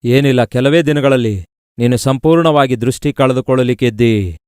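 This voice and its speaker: A man's voice: mid-range voice, normal speed, a little mellow, clean tone, no room sound, studio quality, lightly acted. A male preacher voicing a doctor who bluntly gives his friend bad news.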